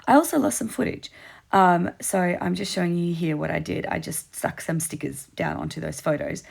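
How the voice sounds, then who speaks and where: Casting: Australian woman, informal craft host, lowish voice, hoarse and husky as if it is giving out. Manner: chatty, informal. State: hoarse, losing her voice. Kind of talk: casual process voice-over.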